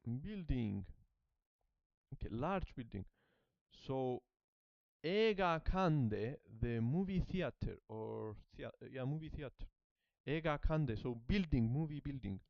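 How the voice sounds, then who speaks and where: This study session features a male language learner, a native German speaker, reasoning out loud with a mid-range, smooth, animated voice at an unhurried pace. He falters and repeats words while figuring them out, with the occasional soft, embarrassed laugh. It's captured in a dry, slightly muffled recording.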